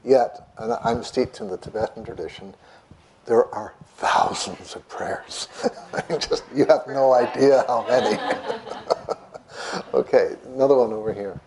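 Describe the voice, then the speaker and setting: A man with a notoriously soft voice, a meditation teacher answering questions from an audience in a lecture room, gently restarting his words. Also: mid-range voice, animated, measured pace. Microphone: microphone.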